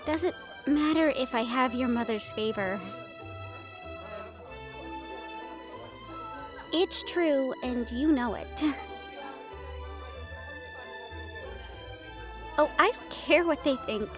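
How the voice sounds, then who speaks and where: A woman's voice: high voice, measured pace, music in the background. A woman playing an affectionate, spirited young Latina hunter in an intimate audio roleplay, speaking expressively and chattily to her beloved. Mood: earnest, defiant. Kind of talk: intimate scripted audio roleplay addressed to the listener.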